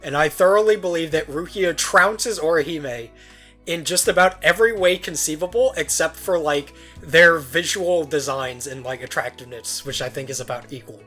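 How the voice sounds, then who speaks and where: A man's voice: a little high, moderate pace, bright, forceful tone, soft background music. A man arguing his side in a casual online debate, blunt and opinionated.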